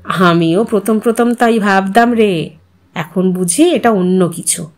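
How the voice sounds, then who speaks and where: A woman's voice: medium pitch, takes it slowly, voice pushed down. A woman voicing a talkative, content older housewife in a storybook reading, chatty, earnest and reflective. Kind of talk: storybook character dialogue.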